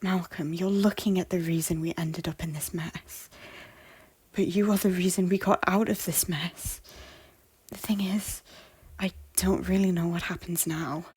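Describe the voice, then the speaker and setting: A woman playing a guilt-ridden noblewoman in an audio drama, pleading earnestly in formal, theatrical phrases with a breathy, husky voice. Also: fairly low pitch, steady tone, measured pace, a little mellow, no room sound. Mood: earnest reassurance. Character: guilt-ridden, repentant noblewoman and former schemer, earnestly hopeful. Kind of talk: audio drama acting of a Shakespeare-style story.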